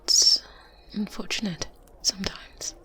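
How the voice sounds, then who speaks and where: Slow, whispering kindly witch played by a woman. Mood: wry, soothing. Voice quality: soft, breathy, mostly whispered. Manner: unhurried, gentle, pensive, with murmured hums and pauses. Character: kindly, wise, reclusive older witch mentoring an apprentice. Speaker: ASMR roleplay performer. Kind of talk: softly spoken, whispered ASMR roleplay. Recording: faint ambient noise bed. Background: medieval ambience sounds.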